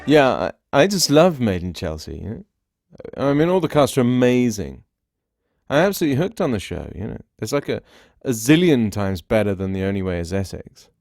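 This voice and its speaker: A man's voice: mid-range voice, sing-song, vocal fry, darkish tone, no room sound, clean studio sound, soft background music. A man doing a gushing reality-show fanboy. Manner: breathless, gushing, halting. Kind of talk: comic character read.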